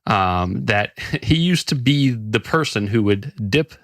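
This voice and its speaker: A man's voice: mid-range voice, lively intonation, slow, a bit bright, no room sound, clean studio sound. A man co-hosting a podcast in casual chat, talking loosely with swearing and frequent restarts. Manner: loose, profane, rambling with restarts. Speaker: podcast co-host.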